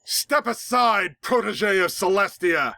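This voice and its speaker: Man voicing an arrogant, bellowing nightmare villainess, pitched high. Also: animated, takes it slowly, creaky, pushed and bright, no echo, clean studio sound, full character voice. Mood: furious. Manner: haughty, bellowing. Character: arrogant female nightmare monster, furious and sneering villain.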